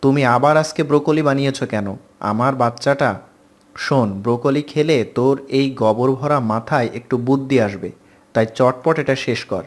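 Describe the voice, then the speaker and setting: A man's voice: mid-range voice, moderate pace, close to an everyday voice. A man voicing a middle-aged mother who scolds and teases her daughter, in a read-aloud story. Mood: scolding. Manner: scolding then affectionate.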